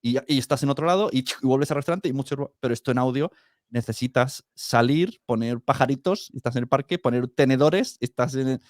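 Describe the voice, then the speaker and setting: A man's voice: mid-range voice, a little fast, no echo, studio quality. A man with an accent from Spain, talking casually in an interview conversation about his own working experience. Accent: Spain Spanish.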